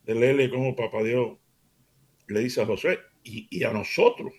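A man's voice: medium pitch, fairly even intonation, moderate pace. A middle-aged man hosting Christian radio, telling everyday stories in a chatty way and calling his listeners family. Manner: chatty anecdotal, addresses listeners warmly as family. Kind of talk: casual radio storytelling.

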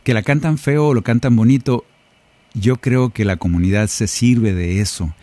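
A man's voice: mid-range voice, normal speed, mellow, dry recording. A man, a Catholic singer-songwriter hosting a reflective, joking talk between songs. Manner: conversational and joking. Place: his own recording studio.

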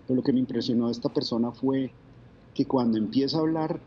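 Speaking fast in a mid-range voice, a Colombian-accented guest from Bogotá recounts his faith journey in an interview. He's reflective and uses many fillers, and the recording is muffled with slight background noise.

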